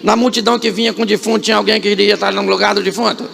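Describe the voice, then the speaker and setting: A Brazilian pastor with a high voice and a gravelly edge preaches in a church. He tells the story with humor and drama, rising and dropping sharply, and keeps quizzing the congregation with repeated questions. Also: little pitch movement, rapid-fire, fairly bright tone, a little hiss or hum. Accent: Brazilian Portuguese. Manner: dramatic storytelling with sudden rises and drops. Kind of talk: live church sermon.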